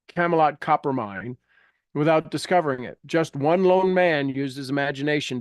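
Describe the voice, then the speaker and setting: A man's voice: fairly high pitch, no echo. Blunt, folksy man coaching, very dry sound. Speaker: coach leading a class. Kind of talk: informal coaching talk mixed with reading aloud from a book.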